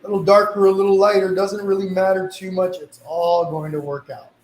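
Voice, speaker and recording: A man's voice: sits high, level tone, fairly quick. A man with slight sniffles leads a casual live painting tutorial in a reassuring, easygoing way. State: slight sniffles from a mild cold. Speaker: painting instructor hosting a live session. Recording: roomy echo, some background noise.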